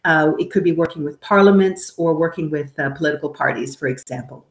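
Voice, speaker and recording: A woman from Canada speaking as an expert guest, giving measured, careful explanations in an interview. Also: deep voice. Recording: roomy, echoey sound.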